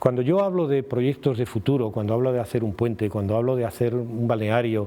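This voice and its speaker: A man with a dark, mellow tone speaks at a medium pitch. He moves at a fairly quick pace with ordinary pitch variation. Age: 60s. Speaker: mayoral candidate, politician. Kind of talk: TV interview. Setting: TV studio.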